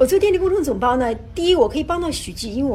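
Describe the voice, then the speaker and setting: Amid noticeable background noise, a woman talks at a very fast pace with very wide pitch swings. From China, Henan. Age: 50s. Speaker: entrepreneur and mother. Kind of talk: interview.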